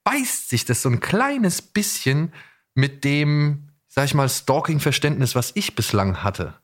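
A man's voice: fairly high pitch, very animated, unhurried. A man hosting a podcast in casual discussion, searching for his words and often repeating them as he goes. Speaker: podcast host.

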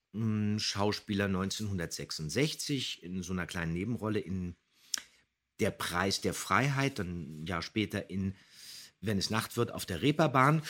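A man's voice: lowish voice, fairly bright tone. A man hosting a podcast, giving conversational commentary on audio dramas. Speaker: podcast host.

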